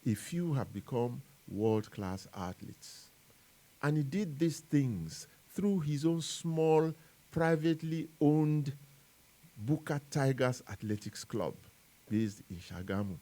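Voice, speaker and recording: A man with a Nigerian accent reads a scripted sports editorial as a radio columnist, phrasing it deliberately and emphatically with dramatic pauses. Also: medium pitch, expressive, warm tone.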